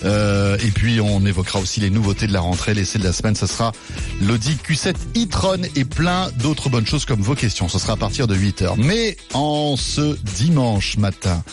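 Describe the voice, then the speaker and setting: A man's voice: on the low side, animated, normal speed. A man hosting a live morning radio show, joking and bantering with his guest. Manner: jovial, teasing banter. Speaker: radio host. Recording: radio broadcast with faint music.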